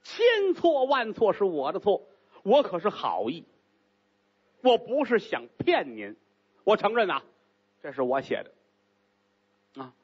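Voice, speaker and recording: A man's voice: sits high, huge pitch swings, slow, long pauses, breathy edge, dull audio, voice pushed up, full character voice. A man voicing a nervous male opera actor who stammers and pleads, in a storytelling act. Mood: flustered, pleading.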